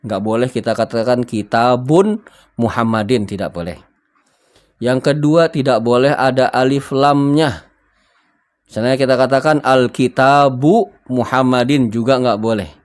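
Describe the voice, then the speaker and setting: A man gives an unhurried recorded lesson, moving through the material one word at a time. He spells, translates and quizzes his unseen viewers patiently, with plenty of pauses. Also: medium pitch. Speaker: Arabic teacher.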